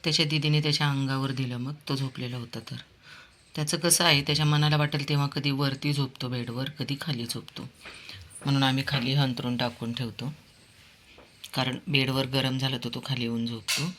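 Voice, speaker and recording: A woman's voice: very deep voice, fairly even intonation, fairly quick, fairly bright tone, a little hiss or hum. A woman vlogging her dog, chatting away and fondly scolding and coaxing him. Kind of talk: casual pet vlog commentary. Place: outdoors on a walk, later at home.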